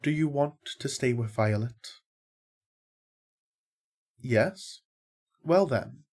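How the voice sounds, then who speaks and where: A man playing a calm, kindly healer angel in an audio drama, with a reasonable, diplomatic way of talking. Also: mid-range voice, extremely slow. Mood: gentle.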